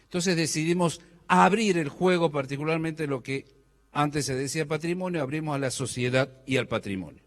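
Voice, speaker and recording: A middle-aged man with a Cordoban Argentine accent speaks on a stage microphone in a large hall, and his voice sits somewhat high. He jokes with the audience and throws questions at them, and his words ring out with a long hall reverb. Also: normal speed. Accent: Argentine Spanish, Córdoba. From Córdoba, Argentina. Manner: joking, quizzes the audience with questions. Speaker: speaker at a business conference. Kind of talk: conference talk to a live audience.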